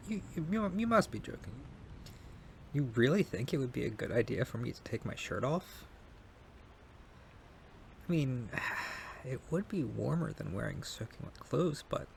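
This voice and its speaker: A man's voice: medium pitch, very animated, a little slow, creaky, pauses often, slight background noise. A man playing a shy, polite and kind young male neighbor in an intimate ASMR roleplay, speaking hesitantly and apologetically, with stammers. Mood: flustered, hesitant.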